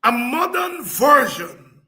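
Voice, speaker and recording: A middle-aged man giving an impassioned political address, repeating phrases and rising into shouts. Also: very high voice, very animated, slow pace. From Guyana. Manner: fiery, declamatory, repeats phrases for emphasis, breaks into shouts. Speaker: podcast host and political speaker.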